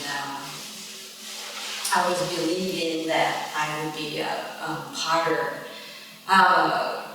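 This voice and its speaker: A middle-aged woman from Japan gives an unscripted artist talk, pausing often as she searches for words. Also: on the low side, pushed and bright, slight background noise. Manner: halting, searching for words, many pauses. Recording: echoey hall, distant mic, faint ambience.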